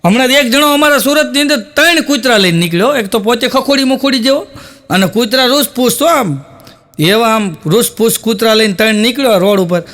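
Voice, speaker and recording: A man's voice: extremely high pitch, fairly quick, a bit bright. A male comedian telling stand-up jokes as a folksy storyteller who acts out village characters.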